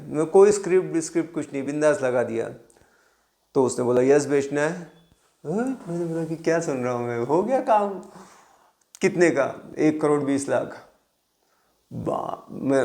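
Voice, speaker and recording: A man, telling a lively story as a real estate coach and acting out both sides of phone calls. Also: mid-range voice, gravelly. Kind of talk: storytelling monologue. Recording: echoey room.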